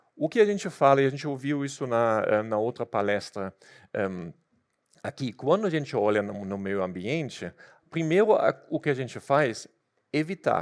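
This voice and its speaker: Using a German accent, a man with a medium pitch talks at a fairly slow pace with very wide pitch swings. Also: very clean recording, silent background. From Germany. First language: German (speaking Portuguese). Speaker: energy transition director. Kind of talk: conference talk. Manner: halting, many fillers.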